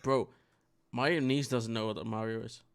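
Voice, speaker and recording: A man's voice: medium pitch, steady tone, unhurried, creaky, clear, resonant tone. A young man from the Netherlands, co-hosting a casual chat, rambling and swearing with many restarts. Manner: rambling, profane, restarts a lot. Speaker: podcast co-host.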